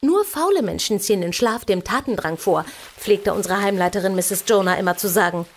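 A woman's voice: mid-range voice, expressive, fairly quick. An actress playing a bold, perky orphan girl in an audio drama, chirpy and matter-of-fact. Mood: bold, urging. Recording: music behind the voice.

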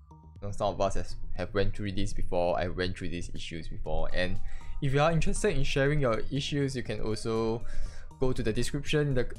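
A young man from Singapore with a Singaporean English accent and Mandarin as his first language, talking reflectively over gameplay with a slight stutter and frequent restarts. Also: mid-range voice. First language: Mandarin Chinese. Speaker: gaming channel host. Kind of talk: casual gameplay commentary and personal reflection. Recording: faint music behind voice.

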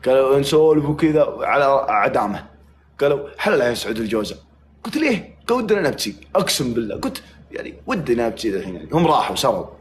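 Saudi male streamer, rapid joking banter, faint background noise. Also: medium pitch, very animated. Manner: joking, mock-threatening banter. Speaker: livestream host. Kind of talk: casual livestream chat.

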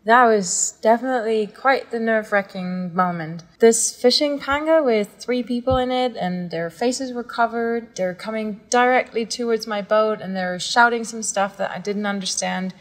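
A woman narrating a voice-over for her sailing vlog in a calm, reflective way. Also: on the high side, normal speed, few pauses. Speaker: vlogger narrating.

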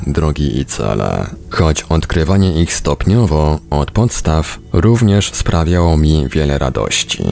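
A man reading an audiobook as scripted narration, measured and with deliberate pauses. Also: low voice, creaky, darkish tone. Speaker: audiobook reader on a radio programme.

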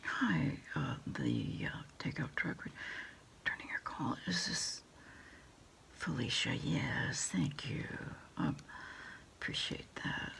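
Female ASMR performer as takeout order taker: very slow, gravelly, soft delivery with frequent hesitations, one side of a phone call. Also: very deep voice, huge pitch swings. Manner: soft, unhurried, hesitant with frequent trailing pauses. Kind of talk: whispered ASMR roleplay, one-sided phone conversation.

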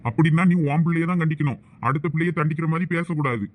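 A man's voice: a little high, racing, close to an everyday voice. A man with a Thoothukudi Tamil accent playing a firm middle-aged husband who lectures his wife. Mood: stern. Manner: stern, lecturing. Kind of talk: village comedy skit acting.

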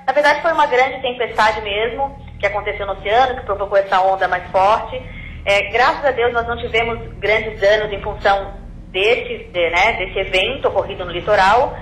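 A woman's voice: mid-range voice, moderate pace, fairly bright tone. A woman explaining hesitantly as an official in a phone interview. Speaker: civil defense director, interviewee. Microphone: telephone. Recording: echoey phone call with faint noise.

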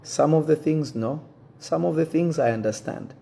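A man in his thirties, a native French speaker talking in English, addressing his congregation to camera from an indoor room, earnest and measured, often restarting to choose his words. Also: on the high side, vocal fry, dark tone, a little hiss or hum. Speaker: pastor. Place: indoor room with wooden shelves.

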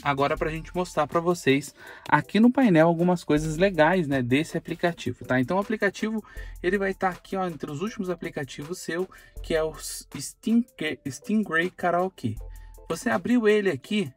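A man's voice: sits high, normal speed, soft background music. A man with a Brazilian Portuguese accent giving a casual, chatty how-to demo from inside a parked car, filling his talk with "olha" and "tá?". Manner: chatty, explanatory, frequent "olha" and "tá?". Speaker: car channel host.

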